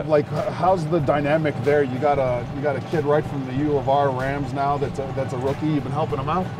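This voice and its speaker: A man talks at a fairly quick pace, the sound dry with no echo. Noticeable background noise runs underneath. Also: hardly any pauses. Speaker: team interview host. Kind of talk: casual interview questions. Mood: jokey, laughing. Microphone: lapel.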